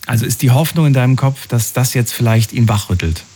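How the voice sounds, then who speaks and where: A man hosting a call-in radio show, giving callers empathetic advice and coaxing them with questions that swing up in pitch. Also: fairly quick, mellow, slightly rough.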